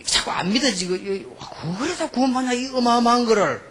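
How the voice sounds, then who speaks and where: Animated, high-voiced male preacher, a little husky. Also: brisk. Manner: animated storytelling, mixes quiet asides with emphatic outbursts. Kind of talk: sermon with anecdotes.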